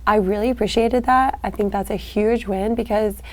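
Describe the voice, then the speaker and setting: A young adult woman co-hosting a casual podcast, with a raspy voice, laughing often and searching for words with fillers. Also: mid-range voice, fairly even intonation, normal speed. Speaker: co-host.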